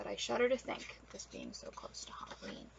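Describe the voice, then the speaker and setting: A woman performs a put-on character voice at a fairly quick pace, sounding shaky. Her loudness swings widely, and there is clear background noise. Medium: read story. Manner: trembling, gasping.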